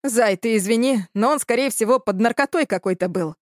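A woman's voice: a little high, brisk, no room sound, clean studio sound, close to an everyday voice. A woman voicing a casual, skeptical young man.

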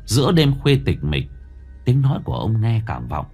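A man narrating a ghost story in an expressive, dramatic way. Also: medium pitch, moderate pace, creaky. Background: faint music.

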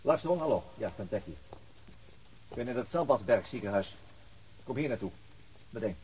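An actor in a radio drama playing a weary, middle-aged veteran police detective, gruff but fatherly, in a naturalistic style. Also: medium pitch, expressive, a little fast, close to an everyday voice. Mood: sober, businesslike. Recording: noisy radio drama recording.

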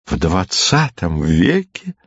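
A man voicing a small, fierce woman nurse with a sharp, caustic, firm manner, on a dull lo-fi recording. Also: on the low side, animated, slow pace, creaky, no echo, full character voice.

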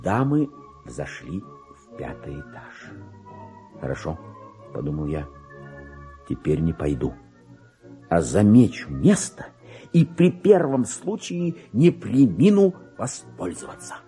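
An actor playing a lowly, self-important and excitable government clerk, delivering his diary as a theatrical radio monologue, with exclamations and hushed muttering in a husky voice. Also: takes it slowly, pauses often, faint music behind, heavily acted. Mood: brooding, confiding. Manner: exclamatory, swinging from hushed muttering to shrill rapture. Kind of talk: theatrical dramatic monologue, diary read aloud.

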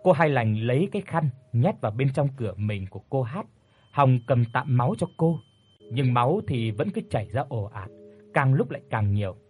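A man narrating a scripted ghost story in a steady, measured way. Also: medium pitch, husky, faint music behind.

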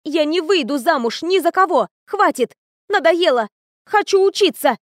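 A woman voicing a young female student mage who protests loudly and with exasperation against being married off. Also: extremely high pitch, animated, normal speed, no room sound, studio quality, pitched above the performer's own voice. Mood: indignant.

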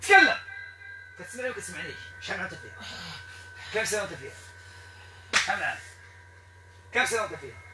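A man with a Moroccan Arabic accent, performing an exorcism ritual in a stern, repetitive, commanding way that sometimes turns to shouting. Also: high voice, very animated, fast, pauses often. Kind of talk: ritual commands to a possessed person. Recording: echoey room, distant mic, noisy.

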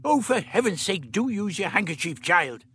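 Fussy old man, clipped and scolding, high and lively, as read by a male narrator. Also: normal speed, slight background noise. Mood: irritable. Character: irritable elderly male time traveller, fussy and lecturing.

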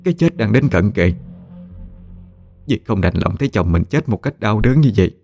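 Man doing a harsh scheming older aunt, deep voice, scolding. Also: expressive, normal speed, mellow, soft background music.

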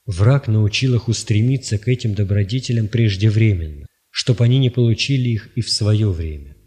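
Low, mellow-voiced man reading solemnly. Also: normal speed. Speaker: audiobook reader. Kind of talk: scripted reading of spiritual writings.

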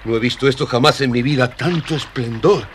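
An actor playing a poor, excitable Arab fisherman in a dramatized children's storybook, with theatrical, exclamatory delivery. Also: mid-range voice, brisk, lightly acted. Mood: overjoyed. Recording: slightly noisy vintage storybook recording.

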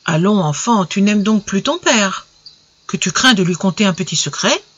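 A narrator reading a kindly old father coaxing gently. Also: medium pitch, lively intonation, breathy edge, muffled recording. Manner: gentle, coaxing, slowed questions. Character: kindly older father coaxing his daughter.

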